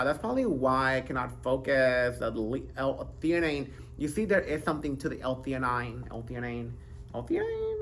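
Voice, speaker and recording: A man's voice: mid-range voice, fairly bright tone, a little hiss or hum. Rambling, giggly male podcast host. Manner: rambling, self-interrupting, giggly, breaks into playful sing-song bits. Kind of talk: casual solo vlog monologue. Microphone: handheld microphone.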